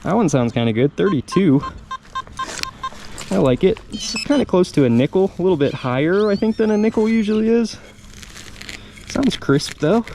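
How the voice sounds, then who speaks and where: A man with a high-pitched, mellow voice and lively intonation hosts a metal detecting channel, talking at a normal pace and pausing often. He chats in a laid-back, slangy way, thinking aloud as he searches a park. Park ambience is clearly audible in the background.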